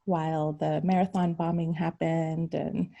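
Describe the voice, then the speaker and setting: A woman in her forties from Iran, a psychiatrist telling her life story on a video call, hesitant with many pauses and ums. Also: low-pitched, flat delivery, gravelly, dark tone, muffled recording. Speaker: psychiatrist guest speaker.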